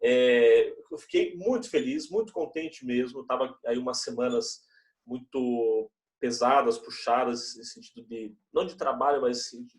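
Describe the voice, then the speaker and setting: A man's voice: medium pitch, darkish tone. A young man teaching religious education, talking to his students in a loose, conversational way with frequent tag questions. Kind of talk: classroom talk to students. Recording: echoey room, mic at a distance.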